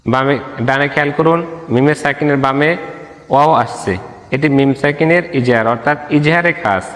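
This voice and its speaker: A man teaching Quran reading, spelling letters slowly and chanting verses. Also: mid-range voice, big-room sound. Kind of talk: step-by-step Quran recitation lesson.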